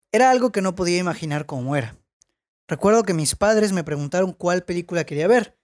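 A podcast host with a Mexican Spanish accent reads listener stories in a relaxed, chatty way. The host keeps wandering off on tangents and slides easily into heated, opinionated rants. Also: mid-range voice. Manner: chatty, goes off on tangents, gets worked up and ranting. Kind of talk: casual chat.

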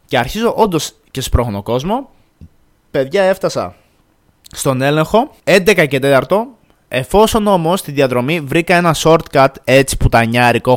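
Animated young Greek man telling a story. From Greece. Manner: animated, acts out quotes with jumps in pitch. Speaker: podcast host. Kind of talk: casual storytelling.

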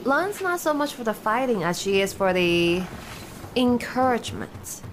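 A woman's voice: on the high side, sing-song, a little slow, background noise. A woman playing a tabletop role-playing game, improvising casually for her character in a breezy, conversational way.

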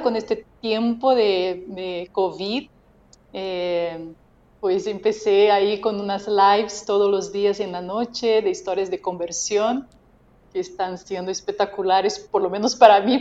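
A woman from Brazil speaking Spanish with a Brazilian Portuguese accent, an expressive, emotive podcast guest who laughs often. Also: medium pitch, lo-fi sound. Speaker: consecrated laywoman, podcast guest. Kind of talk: casual podcast interview.

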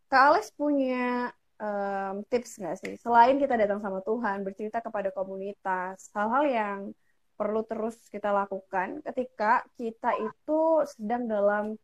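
A woman hosting a casual Christian talk, asking her guest questions and prompting with soft hums. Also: mid-range voice. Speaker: host.

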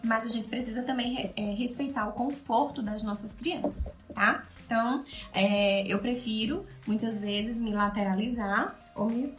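A Brazilian woman teaching parents on a live stream about playing with children, talking in an animated way and acting out playful narration. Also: a little high, a little slow, reverberant, soft background music. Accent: Brazilian Portuguese. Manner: animated, acts out playful narration with loud swings. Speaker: child development educator.

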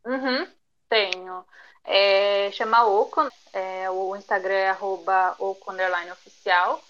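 A woman's voice: mid-range voice, steady tone, a little slow, a bit bright, dull audio, slight background noise. A young woman, a podcast guest talking casually with lots of fillers and light laughs. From São Paulo, Brazil. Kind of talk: conversational interview.

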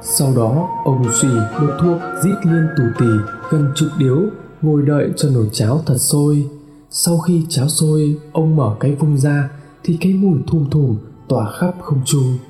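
Male horror storyteller, mellow dark tone, echoey room with long reverb and faint music. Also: fairly high pitch, normal speed. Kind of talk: scripted horror narration.

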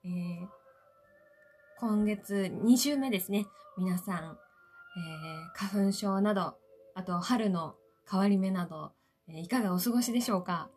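A woman hosting a solo podcast, chatting politely and playfully to her listeners from a quiet hotel room. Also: mid-range voice, unhurried, breathy edge. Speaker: podcast host, actress. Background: faint classical Ave Maria music.

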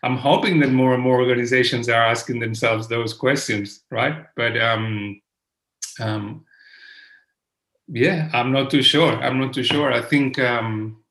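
A man's voice: medium pitch, fairly even intonation, unhurried, fairly bright tone. A man from Spain with a Spanish accent mixed with Australian, talking as a guest in an interview, hesitant with many fillers and restarts. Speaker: guest, consultancy founder. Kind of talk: casual interview conversation. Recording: roomy echo.

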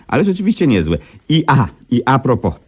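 An actor playing a cynical, wisecracking know-it-all friend in a comic radio play. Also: male voice, medium pitch, huge pitch swings, brisk, slightly rough. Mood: mocking. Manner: dry mocking quips.

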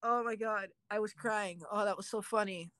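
A woman's voice: mid-range voice, steady tone, moderate pace, bright, forceful tone, no echo, clean studio sound. A young woman co-hosting a casual chat, giggling often and rambling with lots of fillers. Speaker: podcast co-host.

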